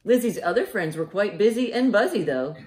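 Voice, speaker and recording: Middle-aged female storytime host, very animated intonation, child-directed delivery, roomy living-room sound. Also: mid-range voice. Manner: expressive, deliberate, child-directed. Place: living room, indoors by a fireplace.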